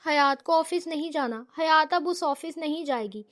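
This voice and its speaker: A woman's voice: sits high, a bit bright. A woman reading the stubborn, childish lines of a young woman who talks about herself by name, in a novel.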